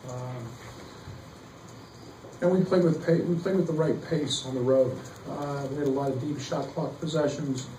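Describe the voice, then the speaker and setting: A middle-aged man, a basketball coach, answering questions at a postgame press conference, halting with many fillers and restarts. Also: medium pitch, mellow. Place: press room behind a table. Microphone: table mic, heard from some distance. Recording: echoey room, distant mic, faint noise.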